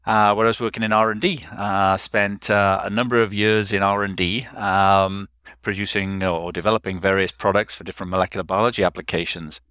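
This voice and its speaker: Low, smooth-voiced Welsh man. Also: pushed and bright, dry recording, studio quality. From South Wales. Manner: hesitant, many fillers. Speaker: guest. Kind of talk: conversational interview.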